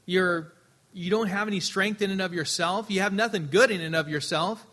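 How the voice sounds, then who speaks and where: A man preaching a sermon earnestly, his voice swelling louder and then dropping soft, often repeating words as he restarts. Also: high-pitched, moderate pace. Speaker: pastor.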